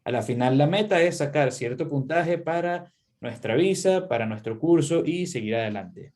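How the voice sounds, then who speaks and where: A man's voice: on the high side, moderate pace. A young adult man, an English teacher, giving casual conversational advice in an interview, with frequent fillers. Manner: relaxed, conversational, uses many fillers.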